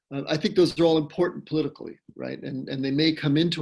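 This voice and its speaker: A man's somewhat breathy voice holds a fairly even intonation. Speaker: professor of international relations. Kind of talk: academic talk over video call. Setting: video call. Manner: fast; hesitant, repeats words.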